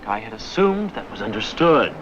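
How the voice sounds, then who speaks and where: An actor playing an impatient, sarcastic driver with a dry, exasperated manner in an old educational film. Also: male voice, lowish voice, sing-song, normal speed. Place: outdoors at a service station. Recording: muffled, noisy outdoor film soundtrack.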